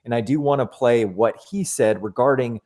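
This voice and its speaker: Man, podcast host, hoarse voice, dark mellow tone, rambling chat, echoey empty office. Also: medium pitch, moderate pace. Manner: rambling, loose and chatty. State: hoarse, voice giving out. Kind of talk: casual sports podcast chat.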